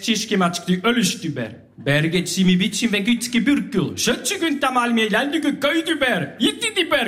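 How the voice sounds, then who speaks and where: A man performing spoken word poetry on stage, chanting repetitive lines and strings of invented nonsense words in a steady rhythm. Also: sits high, slight background noise.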